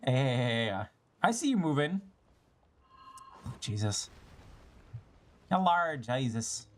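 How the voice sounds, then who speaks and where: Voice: medium pitch, very animated, slow pace. A game streamer giving casual, playful commentary with slangy, sing-song asides. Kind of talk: casual gameplay commentary with dramatic reading.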